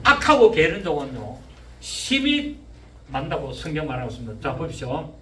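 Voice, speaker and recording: A pastor in his fifties with a Gyeongsang accent, preaching a sermon, often shouting and firing questions at his congregation. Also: on the high side, very animated, brisk, slight background noise. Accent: Gyeongsang Korean. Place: church sanctuary. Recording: echoey church room, mic at a distance.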